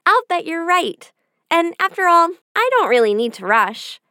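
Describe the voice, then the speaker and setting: A woman's voice: very high-pitched, sing-song, normal speed, dry recording, clean studio sound, pitched above the performer's own voice, exaggerated voice. A woman voicing a trusting, cheerful little girl in a red hood, innocent in tone. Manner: bright, innocent.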